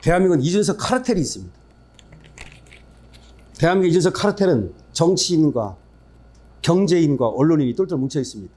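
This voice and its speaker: A man delivers a political speech at a forum in a high voice that leaps up and down with feeling. He talks bluntly, tosses in scornful asides, and keeps throwing rhetorical questions at the listeners. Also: very animated, fast, long pauses, mellow. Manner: emphatic, rhetorical questions to the audience. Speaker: forum speaker.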